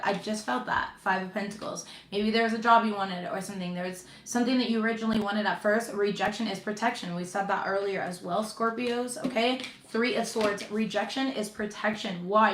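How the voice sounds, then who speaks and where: Chatty woman tarot reader, echoey room. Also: medium pitch. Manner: chatty, reassuring, many fillers and "okay?". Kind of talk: casual tarot reading to viewers.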